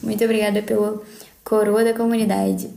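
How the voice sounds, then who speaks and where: A woman's voice: medium pitch, completely flat delivery, brisk, vocal fry, mellow, reverberant, rough recording. A young adult woman with a Brazilian accent chatting casually and playfully on a livestream. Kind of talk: casual live-stream chat. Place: small indoor room at home.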